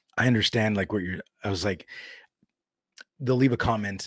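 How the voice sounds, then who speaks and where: A man with a Canadian accent and fairly low pitch speaks at a fairly quick pace with fairly even intonation, in a dry, close sound with no echo. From Canada, Toronto. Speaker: board game YouTuber and comic book creator. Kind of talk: casual chat. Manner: halting, with pauses when teaching.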